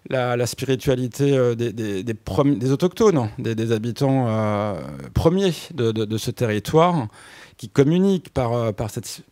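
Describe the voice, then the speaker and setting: A man speaking as a radio guest, explaining music history in a halting way, with frequent restarts and fillers. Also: medium pitch, animated, dark tone, dry recording, studio quality. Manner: hesitant, many restarts and fillers.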